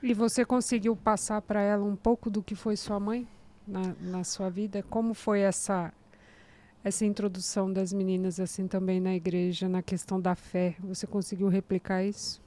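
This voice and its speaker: A woman's voice: mid-range voice, flat delivery, normal speed, warm tone. A Brazilian woman co-hosting a podcast, asking casual follow-up questions. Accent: Brazilian Portuguese. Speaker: podcast co-host.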